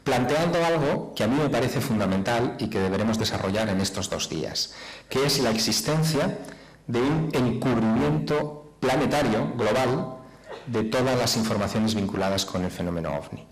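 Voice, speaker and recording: A man introducing a speaker at a conference in a measured, formal way. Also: mid-range voice, expressive, soft background music, poor audio.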